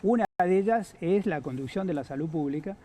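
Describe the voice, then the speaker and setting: A man with an Argentine accent, giving analysis on a political talk show, halting with many fillers and restarts. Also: high-pitched, animated, warm tone. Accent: Argentine Spanish. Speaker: guest analyst.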